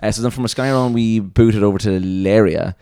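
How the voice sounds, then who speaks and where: A man's voice: fairly low pitch, moderate pace, mellow. A young man, rambling through tour stories in casual podcast chat and swearing freely. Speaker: band member and podcast host.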